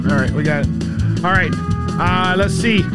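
At a moderate pace, a man talks while loud music plays behind him. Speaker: radio and Facebook live trivia game show host. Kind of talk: live trivia game show hosting. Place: studio. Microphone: studio mic.

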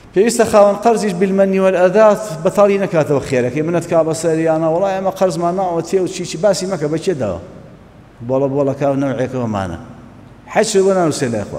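Here a man speaks at a moderate pace in a high pitch with lively intonation. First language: Kurdish (speaking Arabic). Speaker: Islamic preacher. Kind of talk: sermon. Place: studio. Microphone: lapel.

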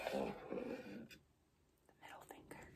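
A woman whispering. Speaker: ASMR creator. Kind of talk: ASMR whisper video. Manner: whispered, soft. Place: home room.

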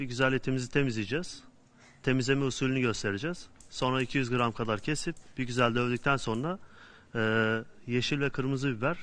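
A man at a fairly quick pace with long, frequent pauses, very even loudness, fairly even intonation and a dry sound with no echo. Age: 20s. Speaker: butcher. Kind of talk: cooking demonstration. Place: studio. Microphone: lapel.

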